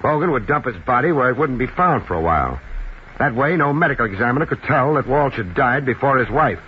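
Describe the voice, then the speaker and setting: A man's voice: medium pitch, fairly quick, close to an everyday voice. Muffled old-radio tough American private eye, acted by a man. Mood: accusing. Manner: laconic, deadpan, dry sarcasm. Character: tough, unflappable male private investigator, wry and relentless. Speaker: lead actor and first-person narrator. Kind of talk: 1950s radio detective drama acting. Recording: muffled, noisy old 1950s radio recording.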